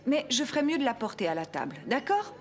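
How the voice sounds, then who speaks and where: A woman playing a kind, patient young mother in a children's cartoon, speaking in a gentle, reassuring way. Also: high-pitched, very animated, fast talker. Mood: gentle, guiding.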